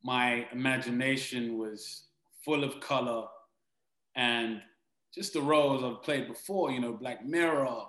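A British man speaks as an interview guest, earnest and reflective, often pausing to restart a thought. His voice is bright and forward. The room around him is noticeably echoey. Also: mid-range voice. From Britain. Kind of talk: conversational interview answers.

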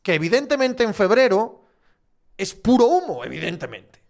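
Casting note: high-pitched Asturian man, sports journalist, animated, swears, answers fans live. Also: fairly quick. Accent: Asturian Spanish. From Asturias, Spain. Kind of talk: casual live chat.

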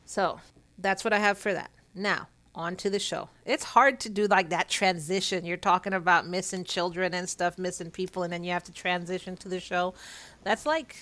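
A woman's voice: fairly low pitch, fairly even intonation, moderate pace, fairly bright tone. A woman hosting a podcast, chatting casually and telling true-crime stories, talking with slightly clenched teeth because of a sore cheek. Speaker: podcast host.

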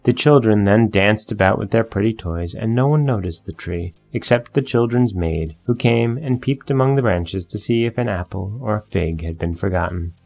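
A man narrating a fairy tale in a measured, gentle storytelling manner. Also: lowish voice, vocal fry, soft background music.

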